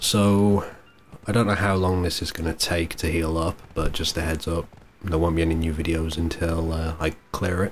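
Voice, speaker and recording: The speech moves at a moderate pace in a monotone, flat intonation over noticeable background noise. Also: man, very deep, low pitch for a man. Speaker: gaming YouTuber. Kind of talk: casual vlog update. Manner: hesitant with filler words.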